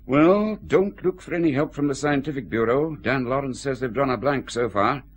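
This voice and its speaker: A man playing a gruff, husky police chief. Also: medium pitch, normal speed, lightly acted. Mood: stern. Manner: dry, grumbling authority. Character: gruff senior male police chief, weary and sardonic. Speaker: head of CID, senior police officer. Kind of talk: radio drama acting.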